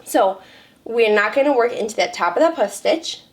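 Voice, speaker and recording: Hoarse woman teaching a crochet pattern. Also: a little high, expressive, moderate pace. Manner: chatty, self-correcting, counts stitches aloud. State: hoarse and raspy from illness. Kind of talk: step-by-step crafting tutorial.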